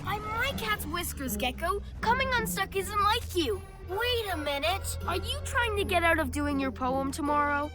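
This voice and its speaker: A woman's voice: very high-pitched, animated, moderate pace, hardly any pauses. A female actor voicing a sensible, supportive and wry young girl superhero in a cartoon, with music behind. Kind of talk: cartoon acting.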